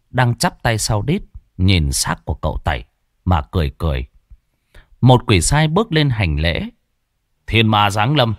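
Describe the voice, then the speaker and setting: A man tells a ghost story with dramatic, expressive narration. His voice sits low with a very lively pitch. The sound is close and dry. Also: no echo.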